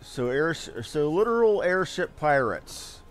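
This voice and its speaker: A man's voice: on the high side, very animated, slow, faint music behind. A man giving casual commentary as a video game streamer.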